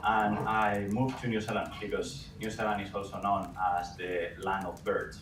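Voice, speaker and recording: A man with a Spanish accent speaks at a fairly low pitch with fairly even intonation. There is audible room echo and noticeable background noise. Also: moderate pace. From Spain. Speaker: ecology PhD researcher. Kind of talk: conference presentation.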